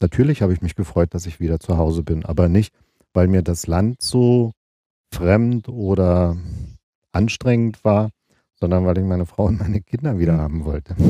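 A man with a dark, mellow tone and very deep, low pitch, speaking at a moderate pace with ordinary pitch variation and long, frequent pauses. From East Germany, village. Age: 50s. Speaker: former translator, care home manager. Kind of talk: interview, personal life story. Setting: outdoors in a garden.

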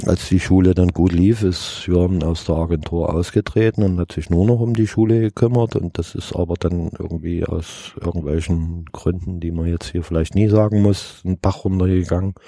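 Hardly pausing, a man speaks with a dark, mellow tone at a very deep, low pitch and with fairly even intonation. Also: moderate pace. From Saxony, eastern Germany (Radebeul near Dresden). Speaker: photographer. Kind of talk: interview. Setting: outdoors on a balcony.

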